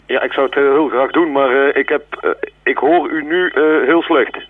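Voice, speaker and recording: A man's voice: medium pitch, normal speed. An actor playing a bewildered man on a bad landline phone call, who keeps saying hello and insists he hears nothing. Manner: keeps asking hallo, answers no while replying. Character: bewildered man on a crackly phone line, claims to be a clown. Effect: heard over a bad landline phone. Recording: thin phone line with faint hiss.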